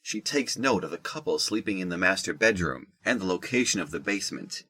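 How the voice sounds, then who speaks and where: A man narrates a scripted audio drama. His voice is low and rough-edged, with a forceful, present tone. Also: lively intonation, brisk.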